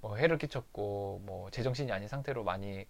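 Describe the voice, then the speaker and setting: A man's voice: on the low side, brisk, vocal fry. A man candidly recounting a fight with his wife in a personal recovery diary monologue. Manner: candid, confessional storytelling.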